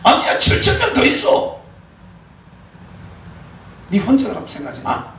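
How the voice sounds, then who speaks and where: A man voicing God as a stern, insistent figure who presses a disheartened believer with high, pointed questions, heard in an echoey hall. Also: huge pitch swings, a little slow, gravelly, fairly bright tone, a little hiss or hum, heavily acted. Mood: reassuring. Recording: echoey hall, mic far off.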